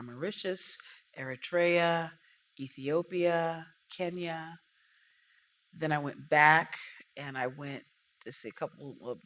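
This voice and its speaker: A woman's voice: sits low, a bit bright. A woman, a guest in a casual interview, telling stories emphatically and with animation. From United States.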